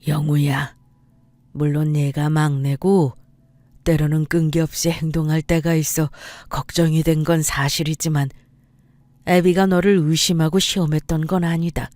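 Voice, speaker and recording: A woman voicing the ghost of a gentle, regretful father, speaking slowly and tenderly in a storybook tale. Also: deep voice, flat delivery, dry recording, lightly acted. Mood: earnest.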